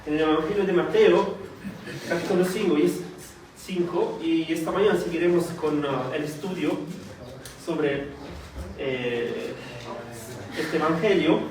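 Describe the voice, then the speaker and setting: A shy man born in Italy preaches slowly and haltingly in a church hall, pausing often on fillers as he searches for words. He is far from the mic, and the hall echoes heavily around him. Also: fairly high pitch. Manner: hesitant, many fillers and restarts; soft-spoken, shy. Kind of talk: sermon with prayer. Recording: distant mic in very echoey hall, faint noise.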